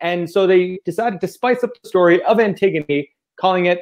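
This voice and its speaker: A man with a Canadian Maritime accent speaks at a high pitch. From Atlantic Canada (Prince Edward Island); Atlantic Canada. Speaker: comedy podcaster. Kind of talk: comedic game show banter. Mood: playful, joking. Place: home room. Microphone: earbuds.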